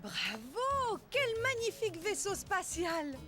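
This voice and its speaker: A young cartoon mom in a high, swooping voice. She is gentle and imaginative, full of animated encouragement and make-believe, with music in the background. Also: takes it slowly, full character voice. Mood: encouraging. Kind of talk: French-language children's cartoon voice acting. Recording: music behind the voice.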